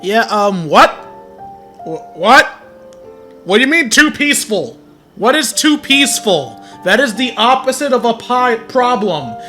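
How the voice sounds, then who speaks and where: A male gamer reacts to a game with blunt, mock-grumpy jokes. His voice is high and forceful, and faint music plays behind. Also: very animated, measured pace. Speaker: gaming streamer. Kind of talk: joking reaction commentary over a game.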